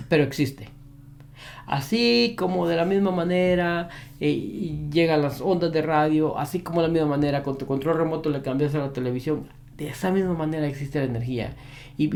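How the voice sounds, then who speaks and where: A man's voice: on the high side, gravelly, a little mellow. A man who trains dogs giving an advice monologue to camera, repeating his key points with emphasis. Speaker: dog behavior trainer.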